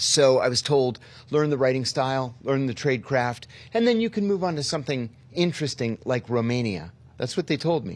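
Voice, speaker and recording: Speaking at a moderate pace with lively intonation, a man uses a normal speaking voice at medium pitch in an American accent. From Pennsylvania, US. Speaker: former intelligence officer. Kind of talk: podcast interview.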